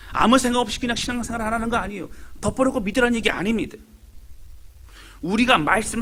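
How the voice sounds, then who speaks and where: A man's voice: high-pitched, sharp tone. A male pastor from Seoul preaching a sermon, emphatic and speaking straight to his congregation. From Seoul, Korea. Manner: emphatic, addressing the congregation directly.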